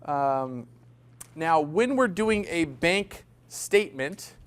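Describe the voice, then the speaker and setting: This accounting instructor has a fairly high, smooth, expressive voice and speaks slowly. During his classroom lecture he talks casually, cracking jokes and asking his students questions in a chatty way.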